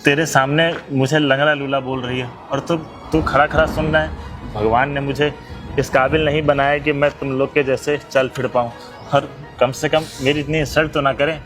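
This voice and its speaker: A man's voice: mid-range voice, fairly even intonation, normal speed, over music, lightly acted. A man playing a poor, disabled childhood friend who speaks in a heartfelt, pleading way in an amateur skit. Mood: hurt.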